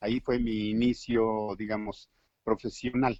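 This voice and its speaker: A man with a Mexican accent speaks at a fairly slow pace and medium pitch, the sound dry and close with no echo. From Mexico. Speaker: voice actor. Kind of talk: interview.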